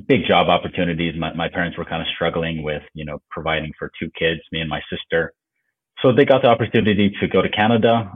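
A man from Slovakia chatting loosely as a podcast guest. His voice sits very low and sounds husky. He comes through a tinny, phone-like remote call line. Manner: relaxed, loose, many fillers. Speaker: podcast guest, business owner. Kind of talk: casual interview chat.

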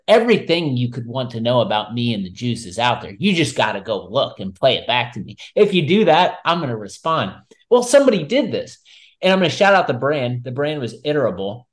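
A man hosting a marketing podcast, talking casually and emphatically in informal, slightly salty language. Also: medium pitch. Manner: informal, emphatic, mildly profane. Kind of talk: casual conversational anecdote and commentary.

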